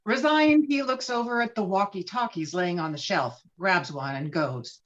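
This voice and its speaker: A woman's voice: medium pitch, normal speed. A woman reading screenplay stage directions as dramatic scripted narration. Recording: slightly dull, lo-fi microphone.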